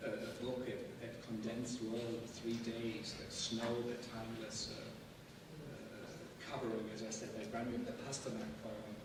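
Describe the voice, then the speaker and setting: Male moderator for a live talk, effusive and halting, very reverberant room, audible noise. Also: mid-range voice, flat delivery. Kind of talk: live on-stage interview. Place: large event hall, indoors. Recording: echoey hall, distant mic, noisy.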